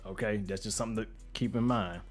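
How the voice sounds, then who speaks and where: A man speaks in a deep, bass-heavy voice, close to a studio microphone. He explains things like an informal tutorial host, in loose, slangy, conversational phrasing. Faint music plays behind him. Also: fairly even intonation, fast. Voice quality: deep, bassy voice. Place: untreated home studio room with reflection filter. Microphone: studio microphone with pop filter, close up.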